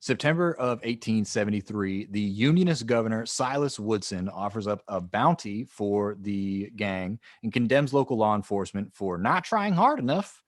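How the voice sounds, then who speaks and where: A lower-voiced man hosts a history podcast in a dry, close-miked sound. He walks through dates and events from his notes in a casual way, swearing freely as he goes. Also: lively intonation, normal speed, hardly any pauses, no echo. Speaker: podcast co-host.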